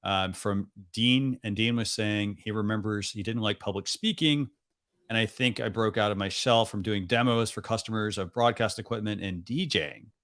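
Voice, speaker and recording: A man's voice: on the low side, normal speed, fairly bright tone. A young adult man hosting a live stream over a video call, chatting loosely with lots of "like" and "you know". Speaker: host. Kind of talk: casual live stream chat.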